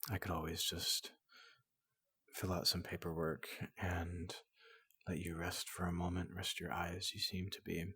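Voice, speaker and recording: Gentle giant robot doctor for ASMR roleplay: hushed, whispery, reassuring, very unhurried, recorded dry. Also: sits low, little pitch movement, no room sound. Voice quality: breathy, often whispering. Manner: slow, halting, reassuring. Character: large gentle robot doctor soothing a human patient. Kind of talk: soft-spoken ASMR roleplay.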